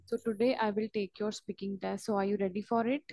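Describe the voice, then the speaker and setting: A woman's voice: mid-range voice, little pitch movement, fast talker, mellow, no room sound. A woman acting as examiner in a mock speaking test, asking brief, formal questions over a video call.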